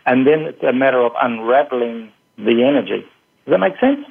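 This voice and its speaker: A man's voice: mid-range voice, expressive, fairly quick, creaky, breathy edge. A man with a New Zealand accent, a guest answering interview questions in a rambling way with many fillers and restarts, heard over a phone call. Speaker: guest, energy healer. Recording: tinny phone line.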